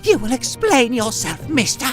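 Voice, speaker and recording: A woman's voice: a little high, very animated, moderate pace. A woman playing a jealous, bossy lover in a comic audio drama, with a theatrical, scolding manner. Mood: indignant. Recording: music behind.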